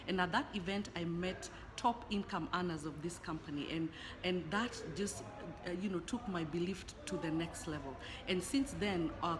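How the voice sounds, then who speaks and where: A woman from Kenya with a fairly low voice, speaking earnestly and steadily and repeating words now and then. Clear background noise from a hotel lobby sits behind her. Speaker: network marketing leader, guest. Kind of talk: interview answer.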